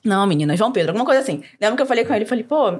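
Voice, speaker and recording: A young woman from Brazil with a Rio de Janeiro accent, telling a story as a podcast guest in an animated way, laughing often and acting out quoted lines. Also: mid-range voice, very fast, breathy edge. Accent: Rio de Janeiro Portuguese. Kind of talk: casual storytelling.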